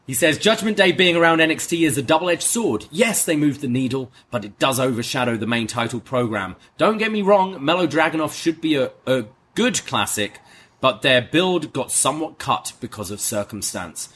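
A man's voice: medium pitch, expressive, normal speed, fairly bright tone, breathy edge. A man in his thirties co-hosting a podcast, joking around and reading listener mail. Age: 30s. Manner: joking, playful banter. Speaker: podcast co-host. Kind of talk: casual podcast chat.

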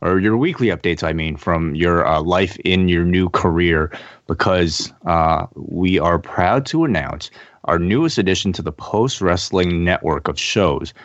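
A man with a low voice co-hosts a podcast, announcing things casually. The sound is very dry and slightly dull. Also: lively intonation, measured pace, no echo. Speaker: podcast co-host.

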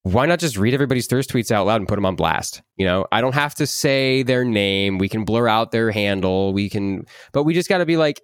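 A man in his twenties, a voice actor, chatting in an interview, animated and repeating words as he acts out quotes. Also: lowish voice, a little fast, hardly any pauses, dry recording, clean studio sound. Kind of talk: casual interview chat.

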